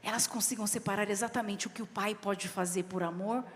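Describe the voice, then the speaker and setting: A woman's voice: medium pitch, steady tone, a little fast. A woman bishop with a Brazilian Portuguese accent preaching a sermon, reading scripture and explaining it with stories from her own family. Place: church service hall. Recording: reverberant hall with faint music behind.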